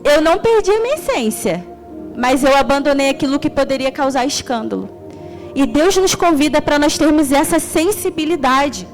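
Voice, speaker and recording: A young woman from Rio de Janeiro with a Carioca accent, preaching an extroverted, animated sermon as a church deaconess. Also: high voice, normal speed, soft background music. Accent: Carioca Portuguese. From Rio de Janeiro, Brazil. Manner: extroverted, animated storytelling with laughter.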